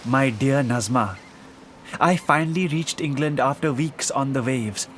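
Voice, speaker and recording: Actor as earnest homesick sailor over ambient noise. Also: male voice, medium pitch, measured pace, fairly bright tone, lightly acted. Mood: wistful, wondering. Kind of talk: audio drama acting, letter read aloud.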